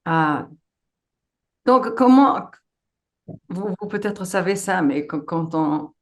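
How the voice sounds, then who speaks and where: A middle-aged woman, a non-native speaker with a foreign accent, giving an informal webinar talk as a guest and haltingly searching for her words. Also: medium pitch, animated. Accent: foreign accent in French. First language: not French.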